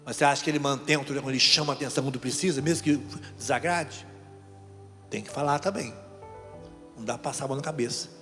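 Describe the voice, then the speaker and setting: A man's voice: mid-range voice, very fast, pauses often, a bit bright. Man, Brazilian Portuguese accent, middle-aged, sermon, storytelling, talks straight to the congregation, faint background music. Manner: conversational storytelling, speaks straight to the audience. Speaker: deacon preacher. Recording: reverberant hall with faint music.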